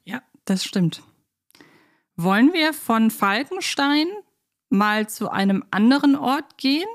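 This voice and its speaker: A woman's voice: a little high, lively intonation, slow. Chatty woman hosting a casual podcast. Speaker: podcast host. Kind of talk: casual podcast discussion of children's audio dramas.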